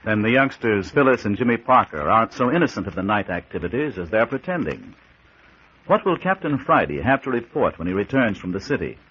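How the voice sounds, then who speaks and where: A man's voice: on the low side, sing-song, brisk, a bit bright, breathy edge. A man announcing an old-time radio mystery serial in a dramatic scripted style. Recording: muffled old radio recording.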